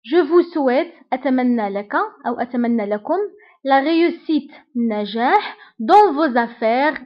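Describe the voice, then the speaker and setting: A woman teaching French phrases. She reads the quickly and repeats each French phrase slowly. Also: sits high, dull audio. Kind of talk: French lesson for Arabic speakers.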